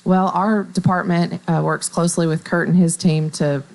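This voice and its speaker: A woman in her thirties from Middle Tennessee, a bank marketing staffer talking on local radio in a measured, upbeat way with fillers. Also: lowish voice, steady tone, vocal fry, a little mellow. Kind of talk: radio interview.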